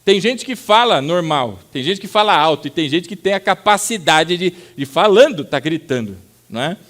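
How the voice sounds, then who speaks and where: Lively Brazilian pastor preaching. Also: male voice, on the high side, moderate pace. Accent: Brazilian Portuguese. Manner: lively storytelling with sudden loud acted-out outbursts; addresses the congregation as brother. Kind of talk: sermon.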